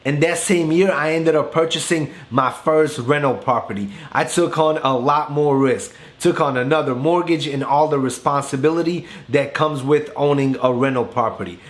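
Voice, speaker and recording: A young man from Bosnia hosting a finance channel, talking straight to the camera in an earnest, motivational monologue that slows down to stress key points. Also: on the high side. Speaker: finance YouTube host.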